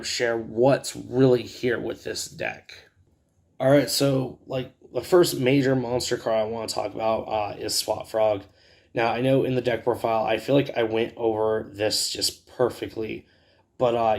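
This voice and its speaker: A man with a scratchy, raspy voice giving a casual, rambling tutorial as a video host, hesitant and full of fillers. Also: medium pitch. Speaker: host of a card game video channel.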